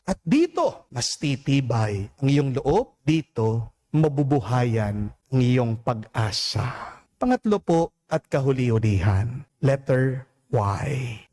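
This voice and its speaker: A Filipino priest giving a homily, preaching slowly and deliberately, drawing out English phrases and asking his listeners "Amen?". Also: medium pitch, dark tone. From Philippines. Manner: slow, deliberate preaching with emphatic rises and drawn-out English phrases; addresses listeners as "mga kapatid" and asks "Amen?".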